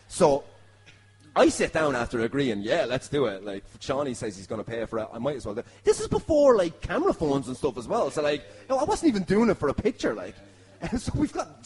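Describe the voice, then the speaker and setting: An Irish man hosting a podcast, telling a comic story to friends in a sweary, animated way. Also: mid-range voice. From Ireland. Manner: animated, sweary, punctuated by laughter. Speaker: podcast host. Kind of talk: comic anecdote among friends.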